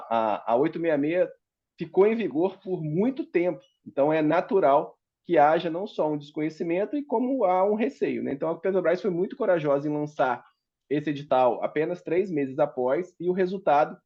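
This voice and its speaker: A man's voice: on the high side, animated, moderate pace, muffled recording. A man giving a panel presentation as a startup founder, talking hesitantly with many fillers and restarts. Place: meeting room at a public forum.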